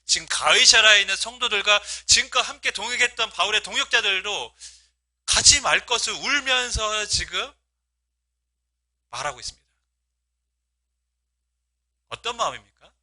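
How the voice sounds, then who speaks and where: Pastor guy preaching, high bright voice, swings up and down a lot, keeps asking the church questions. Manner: addresses congregation directly with rhetorical questions; voices quoted speech with rising emotional emphasis. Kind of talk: sermon.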